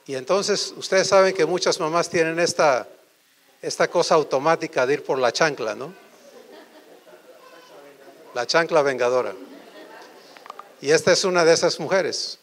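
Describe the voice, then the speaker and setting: Guy preaching, voice sits kinda high, keeps quizzing the crowd. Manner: animated, quizzes the audience with quick questions. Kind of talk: sermon to a congregation.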